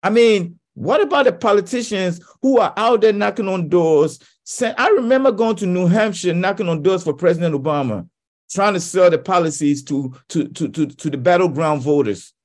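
Brief: male radio talk host, fired up, stumbles and restarts, voice a touch high, studio mic. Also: lively intonation, moderate pace. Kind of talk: radio talk show commentary.

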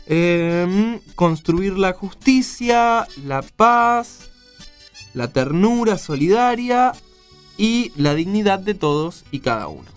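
An actor playing an earnest, eager and rather sleepy Argentine helper in a radio drama, with a gentle, deliberate way of speaking. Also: male voice, high voice, very animated, smooth, faint music behind, exaggerated voice. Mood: earnest, dictating.

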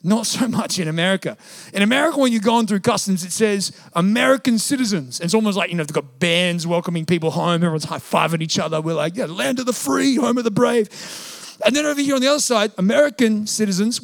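A man preaching a sermon as pastor, animated and playful, acting out short quoted voices. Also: high voice, fairly quick, creaky.

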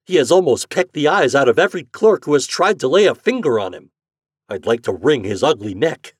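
A man's voice: medium pitch, sing-song, brisk, husky, dry recording, clean studio sound, voice pushed up. A man voicing an irate, blustering market owner, snarling and scolding in a storybook reading. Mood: exasperated, snarling.

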